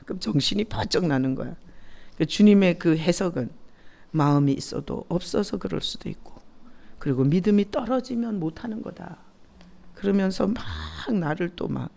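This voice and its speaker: A middle-aged woman pastor teaching a Bible study in a lively, candid way. Her voice has a gravelly, creaky edge. She often turns to the group with questions and laughs as she talks. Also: on the low side, moderate pace.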